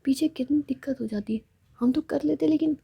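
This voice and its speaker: A woman voicing an upset young bride-to-be who speaks softly and sounds exasperated. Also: sits high, brisk, vocal fry, lo-fi sound, pitched above the performer's own voice. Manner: exasperated, soft-spoken.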